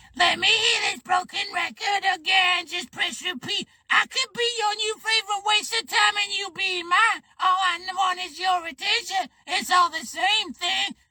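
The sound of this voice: In a put-on character voice, the speaker shouts in a raised, strained voice. The tone is bright and sharp, and the intonation stays fairly even. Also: man, extremely high pitch for a man, fairly slow pace, dry, close sound with no echo.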